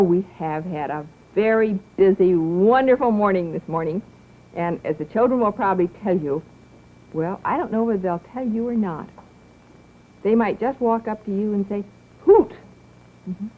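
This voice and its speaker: A middle-aged woman hosting a children's television show, coaxing and teacherly, talking slowly and sweetly to young viewers and then to their parents. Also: medium pitch. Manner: slow, coaxing, sing-song teacherly delivery. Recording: tinny old 1950s broadcast audio.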